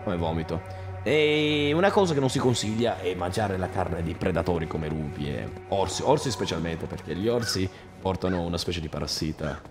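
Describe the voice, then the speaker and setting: A man commentating his own survival game playthrough, excitable and swearing, shouting at the enemies. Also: low-pitched, moderate pace. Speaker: gaming streamer. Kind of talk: let's play commentary. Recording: music in the background.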